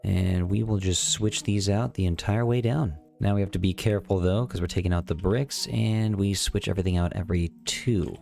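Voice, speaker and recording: Male gaming host, lowish voice, slightly stuffed up with a cold, chatty think-aloud commentary, music underneath. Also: steady tone, moderate pace, creaky, few pauses, warm tone. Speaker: host of a gaming video series. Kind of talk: casual gameplay commentary.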